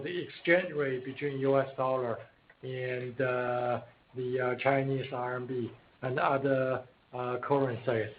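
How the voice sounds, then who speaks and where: Male executive on an earnings call, slow and deliberate, hesitant phrasing, tinny phone audio with faint noise. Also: mid-range voice. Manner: halting, deliberate, careful phrasing. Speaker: company executive answering analysts. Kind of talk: earnings call question and answer. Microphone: phone conference call.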